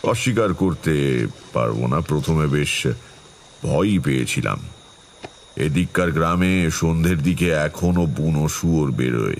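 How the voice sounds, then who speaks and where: An actor playing a seasoned, self-assured tantric who recounts his eerie tales in a measured, atmospheric, dramatic first-person style. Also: very deep voice, expressive, slight background noise, full character voice. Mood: reflective, suspenseful. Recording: music behind the voice.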